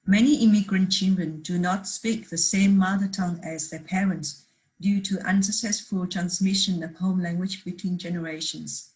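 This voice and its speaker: A woman's voice: on the low side, fairly even intonation, moderate pace, darkish tone, low-quality recording. A woman presenting a research paper at a conference, reading steadily from prepared slides with the odd restart.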